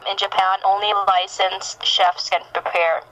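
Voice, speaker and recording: A woman guest chatting casually in an interview, explaining things earnestly in halting phrases. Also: medium pitch, flat delivery, a bit bright, no echo, rough recording. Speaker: podcast guest, fan fiction writer.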